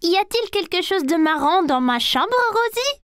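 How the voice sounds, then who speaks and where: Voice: very high-pitched, very animated, normal speed, a bit bright, dry recording, clean studio sound, heavily acted. A performer voicing an eager, cheerful small boy in a children's cartoon, with a singsong childlike delivery. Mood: encouraging. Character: cheerful, excitable four-year-old boy, playful and eager. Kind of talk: children's cartoon dub acting.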